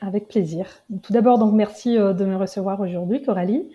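A woman from Genoa in her thirties, speaking French with an Italian accent as an interview guest, pausing often with fillers and restarts. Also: medium pitch, muffled recording. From Italy, Genoa. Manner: hesitant, many fillers and restarts. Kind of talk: casual interview.

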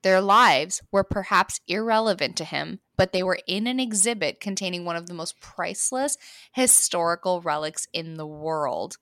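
A woman's voice: lowish voice, lively intonation, normal speed, a bit bright, no echo, clean studio sound. A woman hosting a comedy podcast, reading her own racy story aloud and breaking into giggles.

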